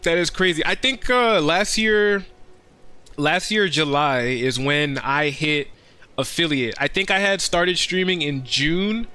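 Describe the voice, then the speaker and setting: A man's voice: fairly high pitch, slow pace, sharp tone, clean tone. A man streaming a video game, chatting casually in an easygoing, rambling way. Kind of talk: casual livestream commentary.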